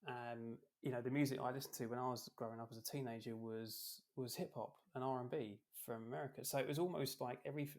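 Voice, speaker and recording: A man's voice: medium pitch, fairly even intonation, fast, hardly any pauses, a little mellow. British man from London, musing as a guest. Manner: hesitant, with many ums and restarts, joking. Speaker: podcast guest, author and coach. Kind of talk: casual interview talk.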